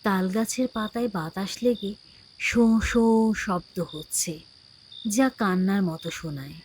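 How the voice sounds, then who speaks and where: Story narrator: woman, medium pitch, scripted horror storytelling, clear noise behind the voice. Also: unhurried, a little mellow.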